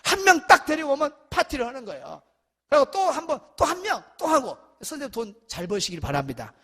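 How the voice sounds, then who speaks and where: A middle-aged man from South Korea, a pastor giving an animated seminar lecture to church teachers, acting out dialogue and shouting at the peaks. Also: extremely high pitch, brisk.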